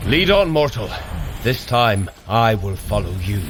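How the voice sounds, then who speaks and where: Casting: a bold Norse warrior god, commanding, formal archaic phrasing, animated swings of pitch, audio drama. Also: male voice, measured pace, background noise. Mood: bold, encouraging. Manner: declamatory, formal archaic address. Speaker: actor in audio fitness adventure. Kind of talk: scripted audio drama acting.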